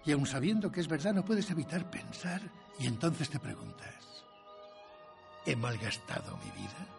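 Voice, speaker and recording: A man's voice: mid-range voice, gravelly. An older man playing an eccentric, theatrical aristocrat who rambles, in a film dub. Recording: film soundtrack with music under.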